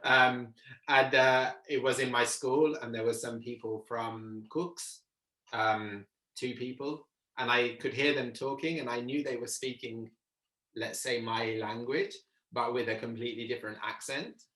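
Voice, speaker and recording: A man's voice: mid-range voice, steady tone, unhurried, bright, forceful tone. A young man, talking earnestly on a video call. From Italy, Arbëresh community. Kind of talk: casual video call discussion. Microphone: laptop mic on video call. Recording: echoey room on video call.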